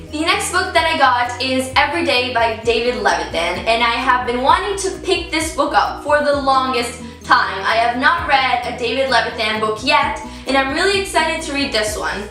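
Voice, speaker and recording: A woman's voice: high-pitched, bright, forceful tone. A teenage girl with an Italian accent, chatting bubbly and directly to her viewers about books she bought. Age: teens. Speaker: book vlogger. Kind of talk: casual book haul chat. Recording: echoey room, distant mic, faint music.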